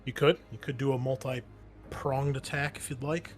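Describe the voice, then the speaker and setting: A man's voice: medium pitch, fairly even intonation, moderate pace, faint music behind. A man narrating a tabletop game as game master, explaining things in an informal, improvised way.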